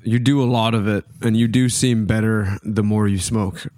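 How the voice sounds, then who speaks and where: A hoarse man co-hosting a comedy podcast, rambling through jokes with lots of fillers in casual banter. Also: fairly low pitch, fairly even intonation, moderate pace, mellow, no echo, studio quality. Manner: rambling, tangents full of fillers. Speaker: comedian co-host.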